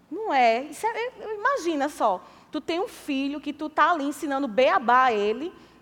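Noticeable background noise runs under a woman speaking. Her pitch is high and swings very widely. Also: moderate pace. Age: 30s. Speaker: preacher. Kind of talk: sermon.

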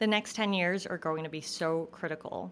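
With a Canadian accent, a woman speaks at a moderate pace and a fairly low pitch in a very clean recording with a silent background. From Canada (Alberta). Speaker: corporate sustainability director. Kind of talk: interview.

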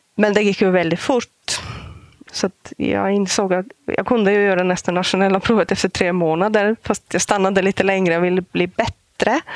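In an Estonian accent, a woman speaks at medium pitch and a moderate pace, her intonation fairly even and her loudness very even, in a dry, close sound with no echo. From Estonia (Haapsalu). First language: Estonian (speaking Swedish). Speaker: gardener. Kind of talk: interview. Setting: library.

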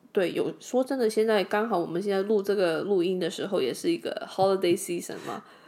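In a Hong Kong accent, a woman talks at a fairly quick pace with a medium pitch and a dark, mellow tone. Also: ordinary pitch variation, hardly any pauses. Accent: Hong Kong accent in Mandarin. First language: Cantonese (speaking Chinese). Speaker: podcast co-host. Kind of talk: casual chat.

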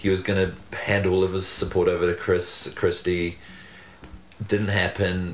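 With a New Zealand accent, a man speaks at a fairly slow pace in a very deep, low pitch, his loudness very even and his intonation monotone and flat. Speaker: freelance writer. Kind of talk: casual chat.

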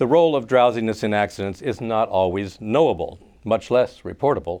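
A man talks at a fairly quick pace in a normal speaking voice. His pitch is fairly low. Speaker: moderator and health reporter. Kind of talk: panel moderation. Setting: studio with audience.

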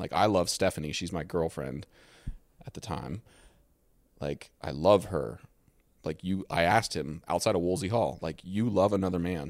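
A man's very deep, low voice with vocal fry and a Midwestern American accent, moderate in pace, with ordinary pitch variation and long, frequent pauses. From Ohio, US Midwest. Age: 30s. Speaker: percussionist. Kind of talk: casual chat. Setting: studio.

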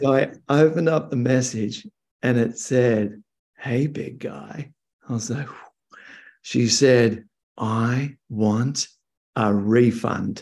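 Pausing long and often, a man with an Australian accent talks at a very slow pace with ordinary pitch variation. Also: medium pitch for a man. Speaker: entrepreneur and amateur comedian. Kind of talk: stand-up.

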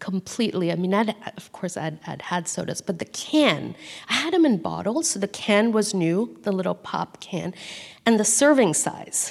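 A woman's voice with vocal fry, lively intonation and a moderate pace. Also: medium pitch for a woman. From India. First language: Bengali. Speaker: author and editor. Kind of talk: moderated author conversation before live audience. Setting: stage with audience.

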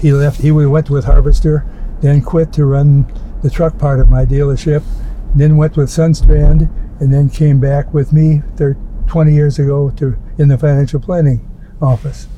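A man speaks in a flat monotone at a moderate pace, his pitch fairly high. Background noise is noticeable throughout. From US Midwest, Illinois. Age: 80s. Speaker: retired farm equipment dealer and executive. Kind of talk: casual interview chat, recollections. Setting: in a car.

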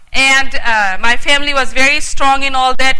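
Her raised, projected voice comes at a fairly slow pace with ordinary pitch variation, amid audible room echo and noticeable background noise. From Fiji, of Indian descent. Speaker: conference speaker. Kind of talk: sermon.

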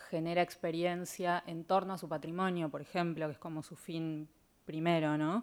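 A woman with an unremarkable speaking voice talks at a fairly slow pace and fairly low pitch with fairly even intonation, on a very clean recording with a silent background. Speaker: public programs coordinator, interviewer. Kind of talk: interview.

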